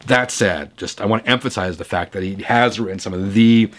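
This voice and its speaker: A man in his forties with a voice hoarse from a cold, hosting a vinyl channel and chatting opinionatedly through viewer comments from his home record room. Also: fairly low pitch, fairly quick. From Canada. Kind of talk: casual reading of viewer comments. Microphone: camera close up at desk.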